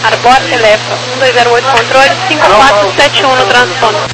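A woman's voice: fairly high pitch, fairly even intonation, fairly quick. A woman with a Brazilian accent giving clipped air traffic control instructions over a walkie-talkie style radio. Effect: over walkie-talkie style aviation radio. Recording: noisy humming aviation radio.

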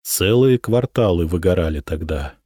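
A male narrator reads a historical adventure audiobook. His delivery is expressive, with pitch climbing on dramatic turns. The recording is dry and close, with no room sound. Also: moderate pace, dry recording. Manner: expressive, rising on dramatic moments.

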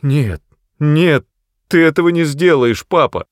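Male reader doing a scared whiny young man, begging, thin and high. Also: lively intonation, measured pace, no room sound, studio quality. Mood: pleading. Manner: pleading, whining, higher-pitched. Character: cowardly frightened young man, whiny and pleading.

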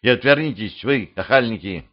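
A man's voice: mid-range voice, normal speed, lightly acted. A man reading the lines of a tough, blunt young woman archer in an audiobook, in his own plain voice. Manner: blunt, demanding. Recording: slightly dull lo-fi audio.

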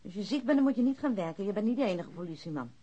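A woman's voice: medium pitch, expressive, very fast, dark tone, husky, muffled recording. An actress playing a middle-aged policeman's worried, nagging wife in a naturalistic radio drama. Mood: scolding. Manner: scolding, fussing.

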